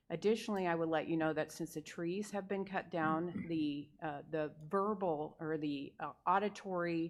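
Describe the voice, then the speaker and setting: Speaking in a plain, everyday voice, a woman keeps a moderate pace with hardly any pauses and fairly even intonation. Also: fairly low pitch for a woman. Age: 60s. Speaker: resident speaking at public comment. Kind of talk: public comment at council meeting. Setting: city council meeting.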